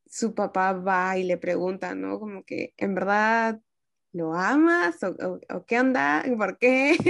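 A woman speaks at a very slow pace, her pitch medium. The background is quiet. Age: 20s. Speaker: podcast co-host. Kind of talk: casual chat. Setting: video call.

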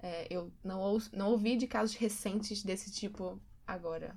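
A moderate pace and a medium pitch from a woman, her voice somewhat breathy. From Brazil. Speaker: journalism student. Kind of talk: panel debate.

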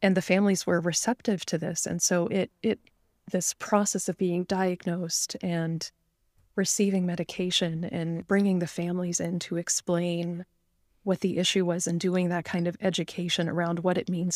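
A woman with an American accent speaks in a monotone, flat way at a fairly low pitch, her dry, close sound with no echo captured on a very clean recording with a silent background. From Netherlands. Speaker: community center director. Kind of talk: radio interview.

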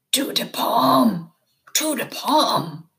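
Shouting in a put-on character voice, the speaker sounds hoarse, with a fairly high pitch that swings very widely. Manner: shouting urgently.

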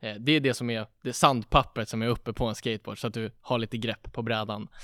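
Recorded with a dry, close sound and no echo, a man with an unremarkable speaking voice talks at a medium pitch and a moderate pace. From Sweden, Södertälje. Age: 20s. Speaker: entrepreneur. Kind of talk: casual chat.

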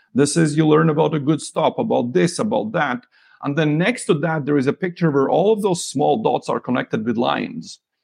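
A man with a normal speaking voice talks at a fairly quick pace, fairly high in pitch and with lively intonation, in a dry, close sound with no echo and a quiet background. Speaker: dating coach and podcast host. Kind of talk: podcast interview.

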